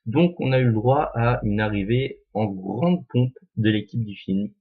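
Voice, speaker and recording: A man with a low, husky voice, hosting a homemade film vlog. He speaks casually and stops often to hesitate. The recording sounds dull and lo-fi. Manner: hesitant, full of "euh" pauses. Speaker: vlog host.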